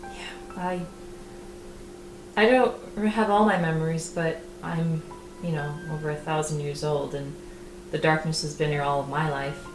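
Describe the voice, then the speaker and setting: A woman playing a tabletop game, speaking softly and earnestly in character and chatting with the table. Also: medium pitch, steady tone. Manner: soft, earnest and slow in character. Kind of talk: in-character roleplay and table chat. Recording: echoey room with music underneath.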